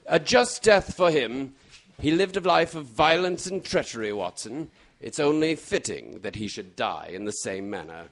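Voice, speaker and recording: An actor playing a shrewd, composed gentleman detective in a radio mystery, explaining precisely and deliberately. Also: medium pitch, animated, close to an everyday voice. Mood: calm, grave. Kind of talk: old-time radio mystery acting.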